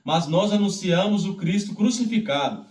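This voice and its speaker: Brazilian Portuguese man, devotional scripture reader, higher-pitched voice, roomy echo. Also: moderate pace, darkish tone. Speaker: devotional Bible reader leading prayer. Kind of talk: devotional scripture reading aloud. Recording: roomy, echoey, distant microphone.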